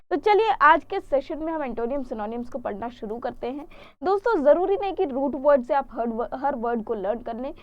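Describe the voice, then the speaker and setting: Indian woman, young, high voice, exam-prep vocab teacher, talks in questions, dry close sound. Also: no echo, highs cut off. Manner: chatty explaining, asks questions and answers them. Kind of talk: online exam-prep lesson.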